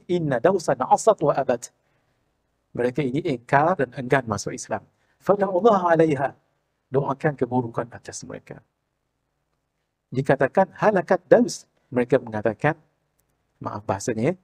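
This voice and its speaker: Husky Malaysian man preaching a sermon. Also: mid-range voice, darkish tone. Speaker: religious teacher. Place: mosque prayer hall.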